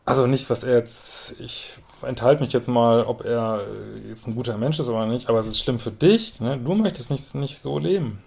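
A man's voice: medium pitch, moderate pace, creaky, hardly any pauses, a little mellow. A man hosting a podcast as a couples therapist, commenting bluntly and directly on a listener's letter and often ending with a questioning "ne?".

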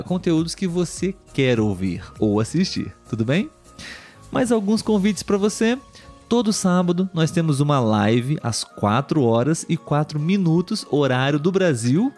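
A man's voice: on the high side, darkish tone. Friendly Brazilian man hosting a lesson podcast. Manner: friendly, clear, addresses learners directly. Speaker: podcast host and Portuguese tutor. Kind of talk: language-learning podcast intro.

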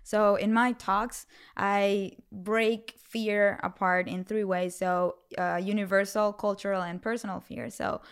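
A woman in her thirties with a smooth, resonant voice. She talks as a podcast guest in a relaxed interview. She tells her stories in an animated way and quotes her own past thoughts. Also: medium pitch, a little slow, few pauses. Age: 30s. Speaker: podcast guest, speaker on fear. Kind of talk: casual interview conversation.

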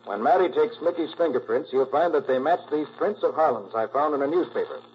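A man's voice: a little high, expressive, a little fast, husky. An actor playing a confident, methodical male detective in a 1940s radio crime drama, explaining things with firm assurance. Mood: assured, explaining. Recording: dull, faintly noisy 1940s radio recording.

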